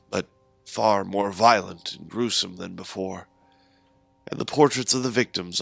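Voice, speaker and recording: A man reads a first-person horror tale as a scripted narration. His voice is very deep with a gravelly fry. Soft music plays underneath.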